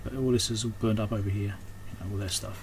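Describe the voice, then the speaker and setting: This man's voice is fairly low, steady, fast and darkish as he thinks aloud through hands-on repair work, frequently trailing off mid-thought. He's an electronics repairer and video host giving casual, unscripted commentary indoors at a repair workbench, with clear background noise and room ambience.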